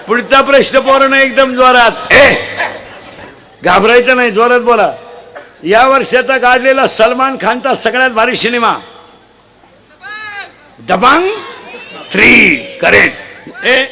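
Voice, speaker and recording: A middle-aged man with a Marathi accent delivering a comic devotional sermon, shouting questions out to children in the crowd. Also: very high voice, unhurried, pauses often. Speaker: kirtan preacher. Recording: live event, faint crowd and noise.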